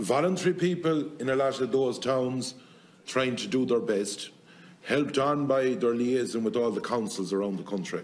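A man speaks with lively intonation in an Irish rural midlands accent. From Ireland. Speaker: politician on committee. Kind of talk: committee questioning. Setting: committee hearing room. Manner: halting. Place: meeting room. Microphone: podium.

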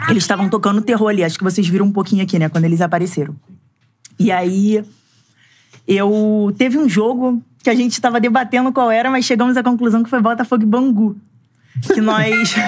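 Over light background noise, a somewhat breathy voice moves at a fairly quick pace with long, frequent pauses, very even loudness and ordinary pitch variation. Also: woman, fairly high pitch for a woman. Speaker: football fan, guest's wife; guest. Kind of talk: casual chat. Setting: studio. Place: studio. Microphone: studio mic.

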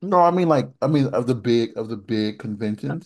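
A man talks at a moderate pace in a dark, mellow tone. The background is quiet. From US Midwest. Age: 40s. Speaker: podcast host. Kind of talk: casual chat. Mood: relaxed, chatty. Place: home room. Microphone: video call.

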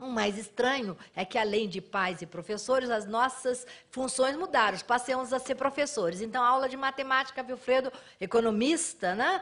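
At a high pitch and moderate pace, a woman speaks with lively intonation. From Rio de Janeiro, Brazil. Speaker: sailor and author. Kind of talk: storytelling talk to audience. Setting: stage with audience. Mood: cheerful, amused storytelling. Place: studio. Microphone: podium.

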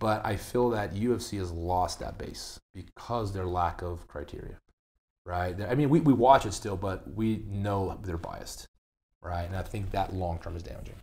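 A man's somewhat breathy voice shows ordinary pitch variation and big swings in loudness. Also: fairly low pitch for a man, moderate pace. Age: 30s. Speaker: jiu-jitsu world champion and podcast co-host. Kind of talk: casual chat.

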